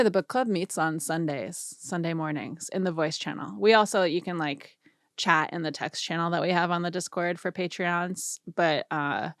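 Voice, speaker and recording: A woman in her forties, an audio engineering teacher, chatting casually and a bit ramblingly about a mixing technique to camera, her voice tired and going hoarse after a long day of talking. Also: low-pitched, no echo, clean studio sound. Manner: chatty, rambling, self-deprecating, nerdy. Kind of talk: casual tutorial talk to camera. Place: small home studio. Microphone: studio vocal mic.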